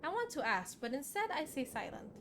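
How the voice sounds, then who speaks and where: A woman livestreamer reading a visual novel aloud in an animated way, with casual asides. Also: sits high, a little fast, slight background noise. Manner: animated, reacts and questions aloud as she reads. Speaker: game streamer. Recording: background music under the voice. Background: music.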